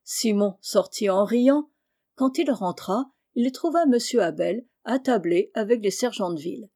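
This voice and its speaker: A woman reads a classic novel aloud, calm and measured. Her voice is mellow and warm at a middle pitch. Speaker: audiobook reader.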